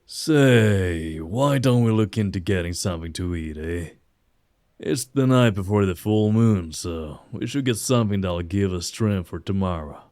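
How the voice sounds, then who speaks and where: A man's voice: low-pitched, expressive, measured pace, darkish tone, no room sound, studio quality. A man voicing an easygoing werewolf friend. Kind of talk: fan audio drama acting.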